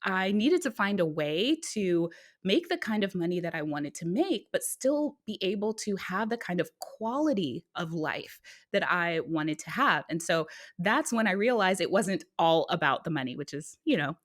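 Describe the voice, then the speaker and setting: A middle-aged woman, born in Guyana and raised in the US, guesting on a podcast and telling her life story in a casual, animated way. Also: lowish voice, normal speed. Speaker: guest author. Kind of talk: conversational podcast interview.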